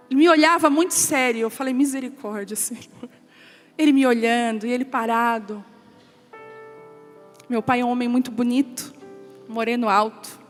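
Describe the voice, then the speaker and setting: Woman, pastor, testimony sermon, emotional storytelling, high voice, reverberant church hall. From Brazil. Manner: emotional storytelling, quoting family in a softer voice. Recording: long hall reverb with soft music.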